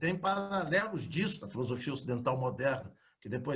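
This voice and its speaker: A somewhat breathy man speaks at a moderate pace with very wide pitch swings. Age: 60s. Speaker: professor. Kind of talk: interview. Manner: formal.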